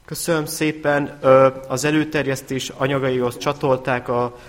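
A man's voice: mid-range voice, little pitch movement. A man speaking as a council member, politely asking a formal question. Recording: long hall reverb.

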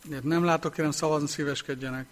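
A man's voice: fairly high pitch, steady tone. Man chairing a council meeting. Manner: brisk procedural, repetitive vote announcements.

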